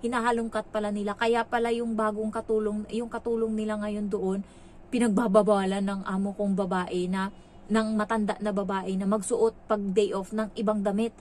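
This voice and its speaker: A woman's voice: mid-range voice, little pitch movement, normal speed, a little mellow, a little hiss or hum. A woman from the Philippines, a domestic worker abroad, telling a story to her channel in a chatty, gossipy way, full of filler words. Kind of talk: casual vlog storytelling.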